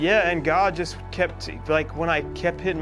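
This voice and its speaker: Fairly slow male speech set against background music. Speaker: podcast host, author. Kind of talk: interview questions, casual conversation. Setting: studio.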